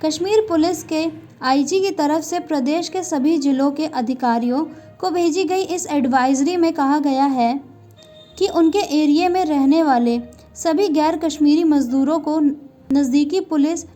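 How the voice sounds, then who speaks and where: A woman with a high-pitched voice delivers scripted news bulletins in an even, formal newsreader manner. Soft music plays faintly beneath her reading. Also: unhurried. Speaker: news anchor.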